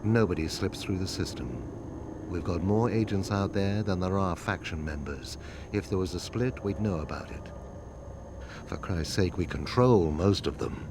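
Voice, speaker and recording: Stern spy chief, very deep voice, terse, blunt, assured, weary, game cutscene, noisy rumbling background. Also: male voice, normal speed. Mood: terse, grim. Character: stern, world-weary male intelligence chief. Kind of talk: video game cutscene acting.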